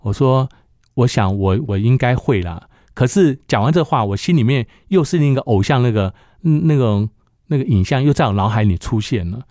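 A man's voice: mid-range voice, expressive, normal speed, darkish tone, no echo, studio quality. A middle-aged man giving a personal faith testimony, telling his story and acting out what others said. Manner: storytelling that acts out the dialogue of others. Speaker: church member giving testimony.

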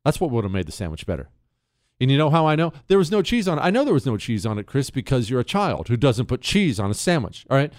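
A man hosts a talk radio show from a studio mic. His pitch swings widely as he rants in mock outrage. He teases a co-host in a blustering, playful way. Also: fast. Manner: animated, ranting, mock-outraged, teasing a co-host. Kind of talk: opinionated talk radio monologue.

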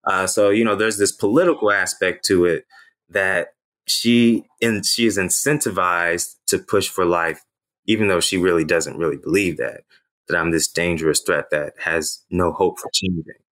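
A man in his thirties, a native Haitian Creole speaker, talks through his own past as an interview guest. His voice sits very low and deep. He speaks earnestly and reflectively, often pausing on "you know" as he gathers his thoughts. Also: steady tone, fairly bright tone. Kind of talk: personal storytelling in an interview.

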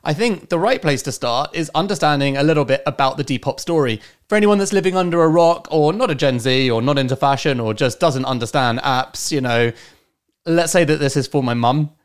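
A man hosts an interview podcast. He is upbeat and friendly, keeping the chat casual with his guest. His voice sits slightly high. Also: fairly quick, clear, resonant tone. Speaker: podcast host.

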